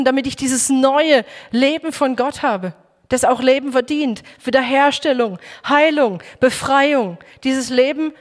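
A woman preacher giving a personal testimony sermon, emotional and halting, with frequent restarts. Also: sits high. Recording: echoey hall reverb.

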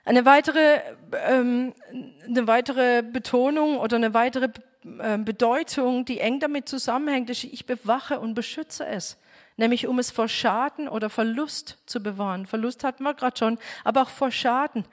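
A woman's voice: on the high side, normal speed, in a large hall. A woman teaching a home bible group, speaking earnestly and addressing her listeners directly.

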